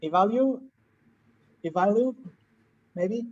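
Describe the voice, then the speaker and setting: A man's voice: high-pitched, expressive, slow pace. A man hosting a workshop on a video call, polite and hesitant, with many fillers. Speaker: workshop host. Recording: dull lo-fi call audio with faint hiss.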